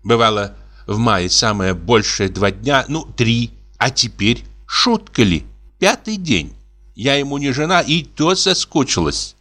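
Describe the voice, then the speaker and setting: A man's voice: mid-range voice, big pitch swings, measured pace, sharp tone, full character voice. A man reading aloud and voicing an elderly mother who frets, sighs and calls on God. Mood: fretful. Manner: sighing, fussing, prayerful exclamations. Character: fretful elderly mother, pious and doting.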